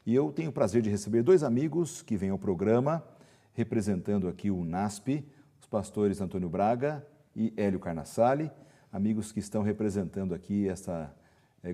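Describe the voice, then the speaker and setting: A man's voice: fairly low pitch, normal speed, warm tone. A man with a Brazilian accent hosting a Bible talk program, speaking in an affirming, conversational presenter's manner. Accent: Brazilian Portuguese. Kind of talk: religious talk show discussion.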